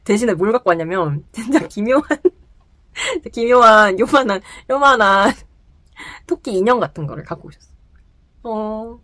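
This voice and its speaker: A young woman telling a personal story to the camera in casual chat, animated and laughing often, in a small indoor room. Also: mid-range voice, normal speed, no echo. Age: young adult. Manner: animated, laughs often, gestures while talking. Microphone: camera close in front, sitting.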